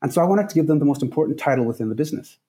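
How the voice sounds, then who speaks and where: A man's voice: a little high, lively intonation, rapid-fire, warm tone. A man from Trinidad, a guest on a podcast, answering questions in an earnest, emphatic way and repeating key phrases. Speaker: guest, travel company founder.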